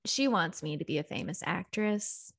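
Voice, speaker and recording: Woman guest, quiet voice, casual and thoughtful, laughs easily. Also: on the low side, expressive, moderate pace, breathy edge. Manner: soft-spoken, laughs often, thoughtful. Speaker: stand-up comedian guest. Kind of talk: casual interview chat.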